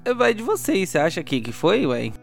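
A man's voice: high voice, huge pitch swings, fairly quick, vocal fry, faint music behind. A man acting as game master, improvising narration for a tabletop audio drama.

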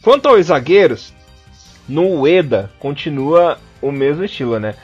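Slightly high and expressive with a breathy edge, this southern Brazilian co-host speaks Portuguese-accented, laid-back podcast chat about pronouncing names. He says names slowly and patiently, now and then turning blunt and crude with jokes, over dull lo-fi audio and faint music.

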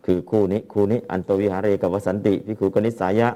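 A man's voice: lowish voice, steady tone, fast, dark tone. A man teaching Pali translation to a class and explaining patiently, often repeating his phrases.

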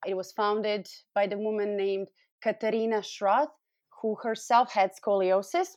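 A woman's voice: medium pitch, steady tone, a little slow, a little mellow, clean studio sound. Serbian accent woman, clinic expert explaining stuff in an interview, medium voice, no room echo. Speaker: guest expert, scoliosis clinic founder and physiotherapist.

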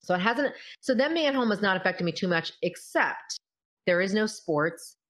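A woman in her forties, a mother of college-age kids, talking in a casual, expressive way as host of a conversation. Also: medium pitch, moderate pace.

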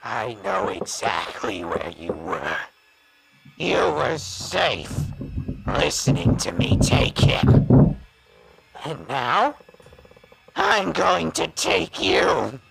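An actor playing a sadistic, vengeful monster in a horror audio drama, with gravelly, mocking menace. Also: medium pitch, sing-song, heavy background noise, heavily acted. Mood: slow menace. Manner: menacing, drawn-out, mocking taunts.

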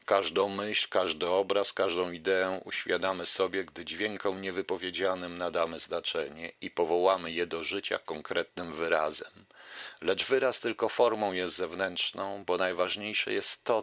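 A man's voice: low-pitched, a bit bright, dry recording. A man hosting his own radio show, reciting his poems in a solemn, declaiming voice with casual asides to listeners. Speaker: internet radio host and poet. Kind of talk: poetry reading with casual asides.

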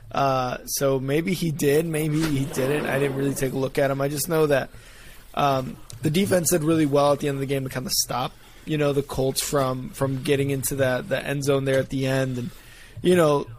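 A man's voice: medium pitch, slight background noise. A man co-hosting a casual sports podcast, rambling loosely and swearing freely. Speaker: podcast co-host.

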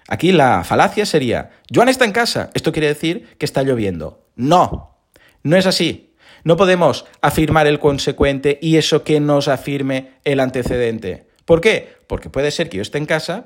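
Male podcast host, animated, pitch swings widely, slightly hoarse, talks straight to listeners. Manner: lively, animated explaining with rhetorical questions. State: recovering from hoarseness. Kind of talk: casual explanatory monologue.

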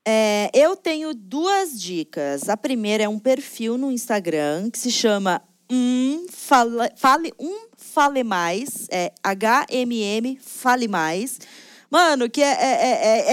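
A woman co-host chats about recommendations in an easygoing, rambling way, laughing as she goes. Her voice sits a bit high and sounds dry and close to the mic. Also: lively intonation, a little slow, no echo. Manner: chatty, laughs often, lots of fillers. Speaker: podcast co-host. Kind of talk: casual chat.

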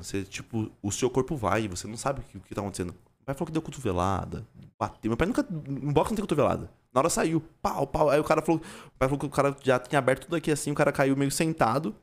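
A young man with a São Paulo accent telling animated, slangy stories in casual chat, with sound effects. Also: mid-range voice. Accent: São Paulo Portuguese. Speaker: storyteller in a chat.

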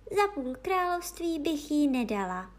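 A woman voicing a little, naive princess in a high childlike voice, in a children's story reading. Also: sing-song. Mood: prostoduchá. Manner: vysoký dětský hlásek. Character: malá princezna, dívka, naivní.

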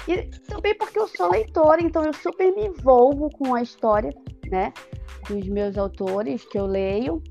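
A woman, chatting casually as a guest author in an interview, explaining things in an animated way. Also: high voice, vocal fry. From Pará, northern Brazil.

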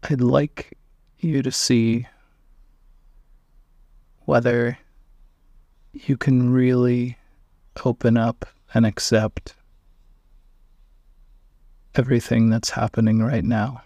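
A man guiding a meditation, giving gentle invitations with long pauses between phrases. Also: medium pitch, flat delivery, dry recording, lo-fi sound. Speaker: meditation guide. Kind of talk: guided meditation.

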